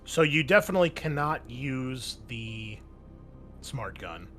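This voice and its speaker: A man's voice: medium pitch, animated, takes it slowly, pushed and bright, soft background music. A man acting as game master, explaining rules to players in a casual, conversational way. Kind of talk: casual tabletop game refereeing.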